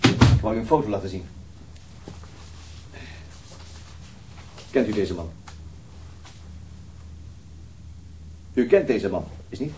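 A man playing a quick-talking, methodical police detective. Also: on the low side, animated, very noisy, natural voice. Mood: polite, probing. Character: persistent, methodical, polite male police detective. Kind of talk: Dutch radio drama acting.

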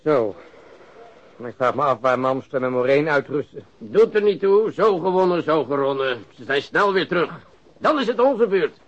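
A man's voice: a little high, big pitch swings, moderate pace. An actor playing a confident, philosophical lawman in a radio drama, speaking tersely and without hurry. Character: confident, philosophical male lawman biding his time. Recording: dull lo-fi old radio recording.

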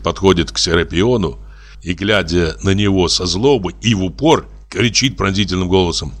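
A man reading a classic short story aloud as an audiobook narrator, in an expressive, measured way. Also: deep voice.

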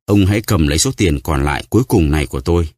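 A man voicing a starving male prisoner who stammers and begs for his life, in a dry, low voice. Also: lively intonation, fast talker, darkish tone, no echo. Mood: pleading. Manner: pleading, stammering.

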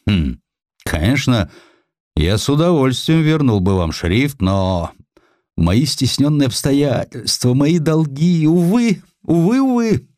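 A man's voice: mid-range voice, very animated, slow pace, darkish tone, dry recording, studio quality, pitched above the performer's own voice. A man voicing an evasive, debt-ridden printer in an audiobook, speaking in a hesitant, plaintive whine. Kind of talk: audiobook character acting.

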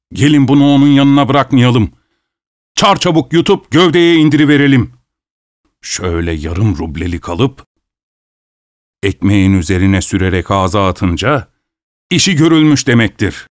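A man's voice: medium pitch, animated, moderate pace, long pauses, no room sound, studio quality, lightly acted. A man as a smug, greedy dinner guest. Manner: smug, leisurely, feigned innocence.

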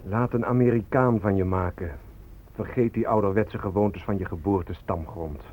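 An actor playing a bitter, sardonic Native American activist in a radio play, with an accusing manner. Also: male voice, on the low side, moderate pace, darkish tone, natural voice. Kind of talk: Dutch radio play acting. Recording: dull, lo-fi radio recording.

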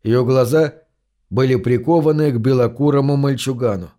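A man narrating a science fiction story in a steady, measured reading. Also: medium pitch. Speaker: audiobook reader. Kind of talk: scripted narration.

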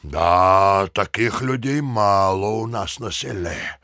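A man's voice: lowish voice, sharp tone, no echo, studio quality, full character voice. An actor playing a grumbling, simple village headman who muses and exclaims in an audio play. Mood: musing regret. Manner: slow, musing, exclamatory.

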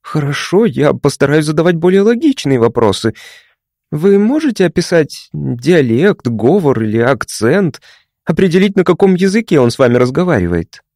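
A man's voice: a little high, sing-song, moderate pace, a little mellow, dry recording, clean studio sound, voice pushed up. A man voicing a polite, curious young woman psychiatrist who asks careful questions.

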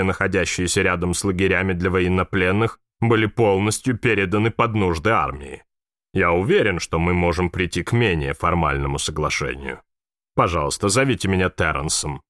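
Man reading a stuffy self-important sergeant, real deep voice, dry studio sound. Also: moderate pace, a bit bright, no echo. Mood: stiff, self-important. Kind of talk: audiobook reading.

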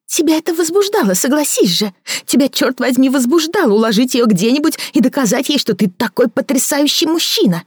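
A bitter, jealous woman hurls scornful accusations in a shrill, overwrought voice, as a female reader puts her on. The sound is dry and close, with nothing behind it. It is an audiobook character voice. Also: expressive, a little fast, hardly any pauses, breathy edge, dry recording. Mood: accusing, scornful.

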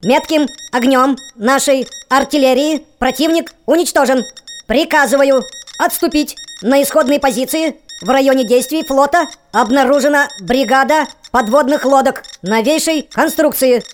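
Woman voicing a high-pitched formal naval signaller. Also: moderate pace, a little hiss or hum, natural voice. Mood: official, commanding. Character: signaller reading out a fleet admiral's dispatch. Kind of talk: audio play, formal military bulletin.

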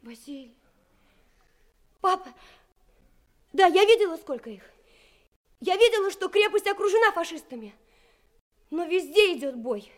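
A woman's voice: very high voice, animated, unhurried, pauses often. A woman playing a brave, earnest young daughter of a Soviet commander in a radio drama, speaking simply like a child. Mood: earnest, resolute.

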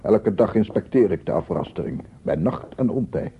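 An actor playing a paranoid, embittered amateur sound researcher in a theatrical radio drama monologue, muttering and proclaiming. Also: male voice, lowish voice, sing-song, normal speed, vocal fry. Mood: paranoid, agitated. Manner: theatrical, muttering to himself, repeating words, swelling into proclamations. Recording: muffled narrow-band old radio recording, noisy.

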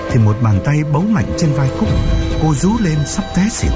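A man's voice: a little high, sing-song, moderate pace. A man narrating a ghost story in a suspenseful, dramatic audiobook style, over background music.

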